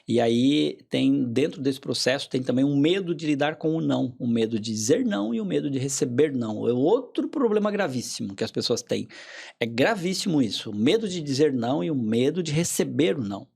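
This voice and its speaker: A man being interviewed as a hypnotherapist, explaining in a measured way and repeating key phrases for emphasis. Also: medium pitch, animated, creaky, a little mellow, breathy edge. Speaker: hypnotherapist guest.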